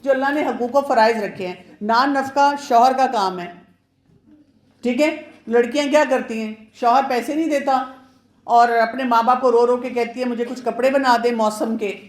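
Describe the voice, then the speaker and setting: A woman pediatrician giving a chatty, advising marriage awareness talk to women, mixing in English words. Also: on the high side. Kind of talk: informal lecture to women. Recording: roomy echo.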